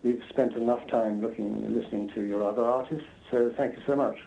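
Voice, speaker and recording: A man's voice: mid-range voice, steady tone, a little fast, gravelly, mellow. A man being interviewed as a guest, telling anecdotes conversationally in a hesitant, self-interrupting way. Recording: slightly dull, lo-fi sound.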